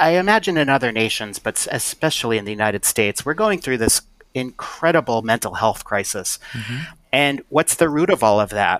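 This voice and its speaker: Fairly quick and medium in pitch, a man talks with an American accent and very wide pitch swings. The sound is dry and close, with no echo. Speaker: design professor. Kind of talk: interview.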